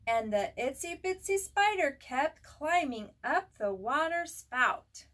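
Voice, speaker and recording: A woman reading a picture book aloud in an expressive, simple way for young children, as a preschool teacher would. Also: high-pitched, takes it slowly. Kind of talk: children's storybook read-aloud. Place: at home. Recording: home recording with faint background noise.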